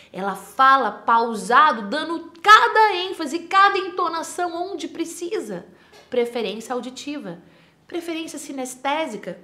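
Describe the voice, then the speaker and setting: Brazilian woman teaching in a roomy echo. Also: high-pitched. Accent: Brazilian Portuguese. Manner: energetic, asks herself questions and answers them. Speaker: persuasion mentor. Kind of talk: direct-to-camera teaching.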